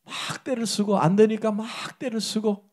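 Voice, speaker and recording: A man's voice: high voice, level tone, moderate pace, darkish tone. A man preaching a Sunday sermon as pastor, emphatic and asking the congregation direct questions.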